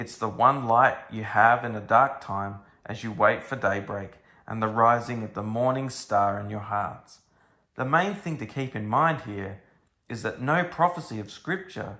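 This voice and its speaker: The voice has a bright, sharp tone and an Australian accent. It moves at a moderate pace with ordinary pitch variation. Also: man. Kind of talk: audio Bible reading.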